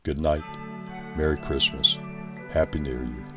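A man giving an expressive, dramatic reading of a storybook poem, with theatrical emphasis. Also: a bass voice, measured pace, recorded from a distance, music in the background. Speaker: poetry reader.

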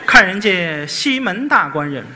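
A man, leading a Chinese crosstalk comedy routine, teasing his partner and telling a story with mock-solemn slowdowns. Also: high voice, big pitch swings, sharp tone, slight background noise. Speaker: lead comic in a crosstalk duo.

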